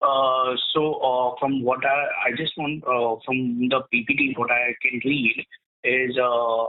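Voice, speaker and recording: A male caller putting questions to company management on a conference call, halting and deferential in his phrasing. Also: mid-range voice, little pitch movement. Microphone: phone call. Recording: narrow tinny phone line.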